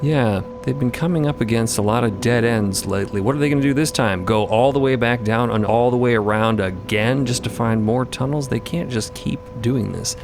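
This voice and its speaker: A man's voice: medium pitch, moderate pace, hardly any pauses, noisy background. A man giving dramatic scripted narration for a fiction podcast. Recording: voice over prominent music. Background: music.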